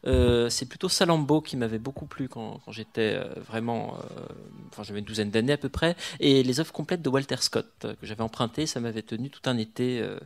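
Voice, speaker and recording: A man's voice: mid-range voice, a little fast, gravelly. A man who is a guest historian on a panel, reflective and a little hesitant. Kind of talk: panel discussion.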